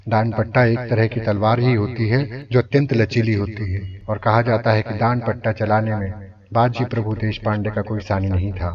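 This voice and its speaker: A man's voice: fairly low pitch, steady tone, moderate pace. A man narrating a scripted historical story in a formal, dramatic manner. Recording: distant, dull lo-fi, crowd noise behind.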